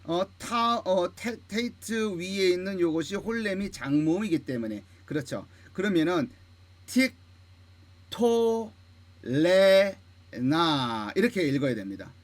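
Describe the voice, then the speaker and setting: A man with a high-pitched voice gives a grammar lesson. He breaks words into slow syllables and answers the questions he poses himself. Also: animated. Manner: drills words slowly, syllable by syllable, asks and answers his own questions. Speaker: Hebrew grammar teacher. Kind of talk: lecture.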